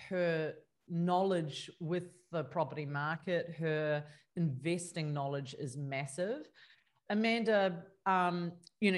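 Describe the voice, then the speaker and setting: Chatty woman in her fifties. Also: on the low side. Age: 50s. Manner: chatty, laughs often, quick bursts. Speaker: podcast host. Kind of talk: casual podcast interview.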